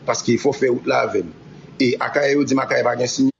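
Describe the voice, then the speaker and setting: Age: adult. Sex: man. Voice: raspy, gravelly. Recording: dull lo-fi clip. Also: medium pitch, little pitch movement, normal speed. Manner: rambling, mixing Creole and French, acting out dialogue. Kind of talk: recounting a personal story. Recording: dull lo-fi clip with faint hiss.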